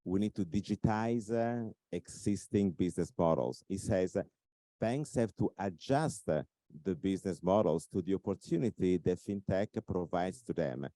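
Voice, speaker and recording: A man's voice: sits low, warm tone, dry recording. Italian man giving a conference talk. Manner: measured, with frequent "uh" fillers. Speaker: invited speaker.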